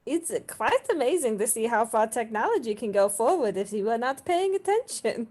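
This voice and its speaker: A woman playing a fussy, excitable male vampire dandy in a comedy table read. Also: on the high side, normal speed. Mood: amazed. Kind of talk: video-call table read of a comedy film script. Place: remote video-call reading.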